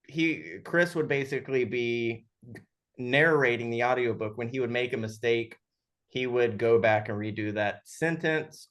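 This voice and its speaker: A man speaking casually and haltingly as a sound designer in an interview, thinking aloud as he explains. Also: mid-range voice.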